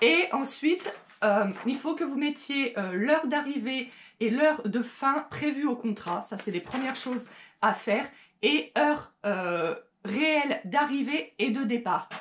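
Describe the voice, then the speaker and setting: Her voice is high-pitched. This woman's intonation is lively. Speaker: childminder and vlogger. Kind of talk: tutorial. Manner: fast.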